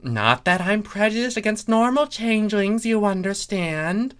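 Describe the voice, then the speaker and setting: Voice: medium pitch, lively intonation, a little slow, smooth, voice pushed up, close to an everyday voice. A performer voicing an earnest, over-explaining male changeling creature in a cartoon fan story.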